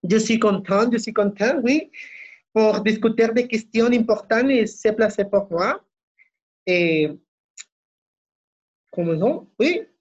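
Male guest, slow and halting, dull lo-fi line. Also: sits high, animated. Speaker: podcast guest.

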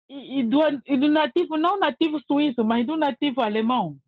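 A woman's voice: a little high, no echo. Angolan woman on a tinny line. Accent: Angolan Portuguese. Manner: earnest and emphatic, with frequent restarts. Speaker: language course student giving a testimonial. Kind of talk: casual spoken testimonial. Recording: tinny, dry phone-like audio.

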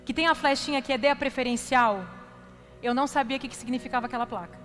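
A high-pitched woman pastor preaching in a church hall, her voice ringing with a long reverb while faint music plays underneath. She tells her story in an animated, confessional way, teasing herself and turning to the congregation again and again. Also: quick pace. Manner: animated, confessional and self-mocking, talks directly to the congregation. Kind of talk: sermon with personal storytelling.

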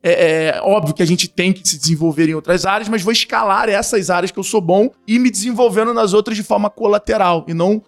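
Guest: young Carioca man, high-pitched, rapid, slangy storyteller, faint music under. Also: steady tone. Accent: Carioca Portuguese. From Rio de Janeiro, Brazil. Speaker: guest, entrepreneur. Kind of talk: casual interview chat.

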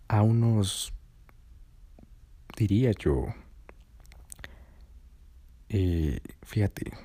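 A man casually telling an anecdote, swearing freely and lively in his retelling. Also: on the low side, slightly rough, dry recording. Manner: profane, animated retelling. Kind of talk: casual storytelling.

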